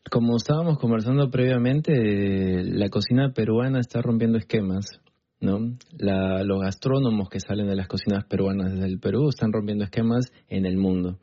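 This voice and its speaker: A man, a chef guest on a radio interview, speaks calmly and conversationally in a low, warm, mellow voice. The broadcast sound is slightly dull and muffled. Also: normal speed. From Peru.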